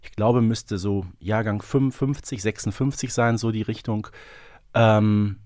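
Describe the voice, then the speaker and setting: A man's voice: lowish voice, fairly even intonation, a little slow, darkish tone, dry recording, clean studio sound. A man chatting casually and knowledgeably as a podcast co-host. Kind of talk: casual expert chat.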